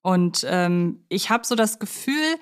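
A woman's voice: mid-range voice, lively intonation, takes it slowly, smooth. Reflective woman discussing films on a podcast. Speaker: podcast co-host. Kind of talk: conversational film analysis podcast.

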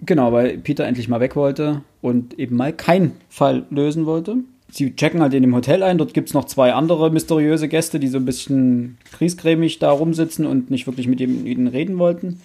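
Mellow, blunt man chatting about books. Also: mid-range voice, fairly quick, hardly any pauses. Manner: colloquial, blunt, mildly crude. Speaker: podcast co-host. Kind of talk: casual book discussion.

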